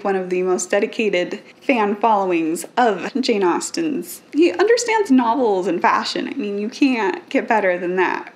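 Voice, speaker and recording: A woman in her thirties talks casually and emphatically to camera, explaining things in a chatty, animated manner. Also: fairly high pitch. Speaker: book vlogger. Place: living room, indoors.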